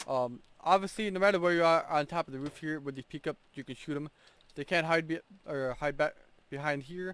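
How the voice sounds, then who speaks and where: Quiet and fairly high in pitch, a man speaks at a fairly quick pace with ordinary pitch variation, the sound dry and close with no echo. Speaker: gaming YouTuber. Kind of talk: gameplay tutorial. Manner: fast.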